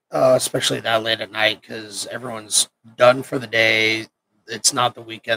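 A man with an American accent speaks at a moderate pace and medium pitch in a monotone, flat intonation, the sound dry and close with no echo. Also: big swings in loudness. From Nebraska. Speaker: podcast host, Marine veteran. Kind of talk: storytelling livestream. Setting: live stream on laptop. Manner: hesitant, many fillers.

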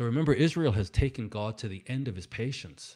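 A man's somewhat breathy voice with lively intonation at a moderate pace, on a very clean recording with a silent background. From Britain. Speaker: pastor. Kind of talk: bible study lecture. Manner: halting.

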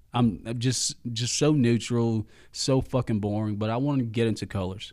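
The recording is very clean, with a silent background. A man with an Alabama accent speaks in an animated tone. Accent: Southern US (Alabama). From US South, Alabama. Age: 20s. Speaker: podcast host. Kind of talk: casual solo podcast monologue. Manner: fast.

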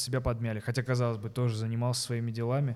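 A man talks at a medium pitch. The background is silent on this very clean recording. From Voronezh, Russia. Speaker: comedian and podcast host. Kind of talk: interview.

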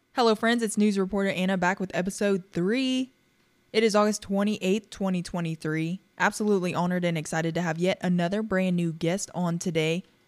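In an American accent, a woman talks at a fairly quick pace with a medium pitch and fairly even intonation, an unremarkable speaking voice. The recording is very clean, with a silent background. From US Kentucky. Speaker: podcast host. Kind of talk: casual interview chat. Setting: home office studio.

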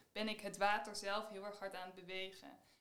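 Audible room echo surrounds this woman's voice. She speaks at a moderate pace. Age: 20s. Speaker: visual artist. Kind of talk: interview. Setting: in a closed church.

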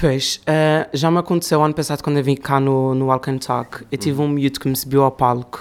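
This man's voice is fairly high. He keeps his intonation fairly even. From Azores, São Miguel (Ribeira Grande). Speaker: fashion worker and drag performer. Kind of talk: casual chat.

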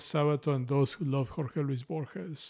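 A man in a strong Mexican accent talks at a moderate pace, his fairly high pitch showing ordinary pitch variation. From Mexico. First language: Spanish. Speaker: podcast host. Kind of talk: casual literary discussion.

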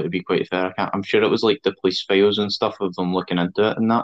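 A fairly low-pitched man with a Scottish accent and monotone, flat intonation. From Scotland. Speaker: podcast guest, friend of host. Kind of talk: casual chat.

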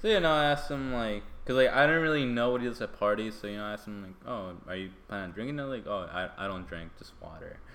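In an American accent, a man at medium pitch talks at a very fast pace with big swings in loudness, with audible room echo. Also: lively intonation, hardly any pauses. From Long Island, New York. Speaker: podcast guest. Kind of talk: casual chat.

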